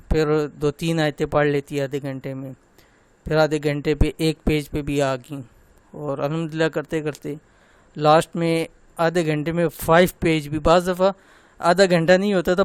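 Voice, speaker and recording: Man teaching Quran recitation, slow and clear. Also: a little high, no echo. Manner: slow, drawn-out demonstration of syllables, then gentle personal talk. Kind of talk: online tajweed lesson.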